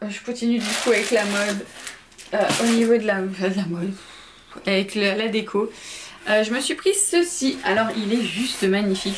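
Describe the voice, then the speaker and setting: A woman's voice: medium pitch, background noise. A young woman chatting casually in a home video, hesitant, with many fillers. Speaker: vlogger. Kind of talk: casual haul video chat.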